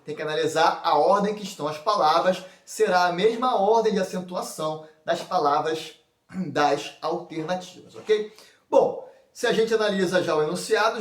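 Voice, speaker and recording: High-voiced Brazilian teacher in an echoey room. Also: male voice, recorded from a distance. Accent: Brazilian Portuguese. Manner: explains step by step, checks in with "ok?" and "galera". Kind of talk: exam prep lesson. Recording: echoey room, voice a bit off mic.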